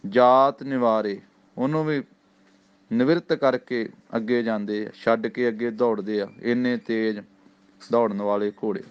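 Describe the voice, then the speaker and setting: A man with a Punjabi accent and a clear, resonant, medium-pitched voice teaches scripture recitation. He chants each phrase slowly, then explains its pronunciation in plain speech, captured on a slightly dull, lo-fi recording.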